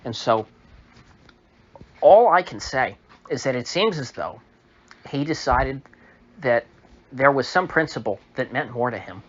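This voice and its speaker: A man who is ill, voice a little off, giving a halting, opinionated political commentary monologue full of fillers, recorded in a room. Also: medium pitch, animated, breathy edge, muffled recording. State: sick, slightly off voice. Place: indoor room.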